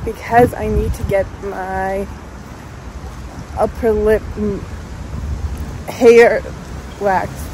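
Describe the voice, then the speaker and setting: A woman's voice: medium pitch, flat delivery, very slow, long pauses, background noise. A young woman from Turkey with a Turkish accent, chatting casually to her phone camera in English and dropping in Turkish words, a bit self-deprecating. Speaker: vlogger. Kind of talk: casual vlog chat. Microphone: phone held in hand.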